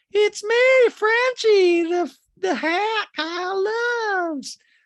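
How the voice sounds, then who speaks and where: In a put-on character voice, the speaker squeaks out words at an extremely high pitch and a very slow pace, in a playful tone. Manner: silly, playful.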